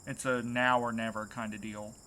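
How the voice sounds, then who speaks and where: Man playing an earnest, determined man, bright-voiced. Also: medium pitch, flat delivery, normal speed, slight background noise, close to an everyday voice. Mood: earnest, uncertain. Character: determined, anxious young man set on rescuing his friend. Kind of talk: naturalistic audio drama acting.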